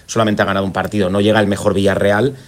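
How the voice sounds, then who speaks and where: A man's voice: lowish voice, little pitch movement, racing. Assertive man on a sports panel. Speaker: radio sports pundit. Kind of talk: radio panel chat.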